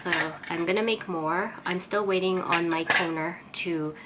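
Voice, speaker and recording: Congested woman chatting, slightly low voice. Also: normal speed, very noisy. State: congested and sniffly from a cold. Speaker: vlogger and artist. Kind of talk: casual chatty vlog update.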